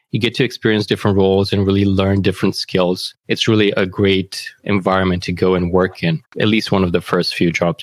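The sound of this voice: A man speaks in a Romanian accent at a fairly quick pace. His pitch sits fairly low, with fairly even intonation. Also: hardly any pauses, very even loudness.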